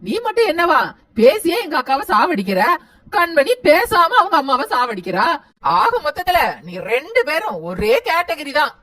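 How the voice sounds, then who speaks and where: A woman's voice: sits high, big pitch swings, normal speed, bright, forceful tone, no echo, heavily acted. A woman voicing a blunt, outspoken relative. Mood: scolding.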